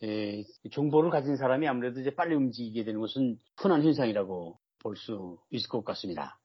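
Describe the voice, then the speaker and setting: A man's voice: mid-range voice, expressive, quick pace, husky, dry recording, muffled recording. A man from North Korea working as a public radio host, presenting an interview program and addressing listeners.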